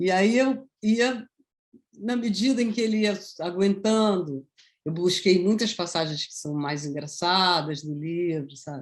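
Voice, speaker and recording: Her pace fairly slow, a woman uses a normal speaking voice at a medium pitch with lively intonation. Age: 60s. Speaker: author. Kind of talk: public talk with audience Q&A. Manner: conversational.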